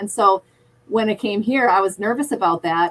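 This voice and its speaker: A woman with a normal speaking voice talks at a fairly quick pace, her medium pitch showing ordinary variation, in a dry, close sound with no echo. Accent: American. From Minnesota. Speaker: guest, mother and newcomer homesteader. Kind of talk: casual live interview chat.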